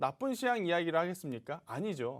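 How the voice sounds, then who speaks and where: Very wide pitch swings mark this man's speech, delivered at a fairly quick pace. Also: very clean recording, silent background. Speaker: stock market expert. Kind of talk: investment broadcast talk. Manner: fast; animated.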